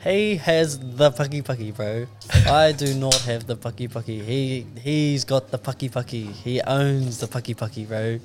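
A man's voice: medium pitch, fairly even intonation, normal speed, few pauses. Slangy New man, faint noise behind. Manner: slangy, laid-back, says bro and eh. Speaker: podcast guest, competitive surfer. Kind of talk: casual chat.

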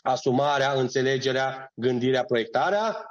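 A man, an acting teacher on a podcast, explaining in a didactic way, listing steps and checking in with his listener. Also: mid-range voice. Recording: dull lo-fi sound.

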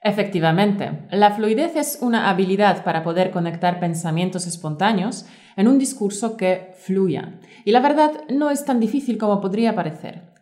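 A woman presenting a course as a teacher and podcast co-host, in a clear, measured, scripted delivery. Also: medium pitch, mellow.

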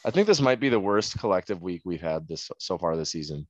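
A man's voice: deep voice, expressive, fairly quick, no echo, dull audio. A man co-hosting a casual fantasy football podcast, teasing his friends and laughing often. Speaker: podcast co-host.

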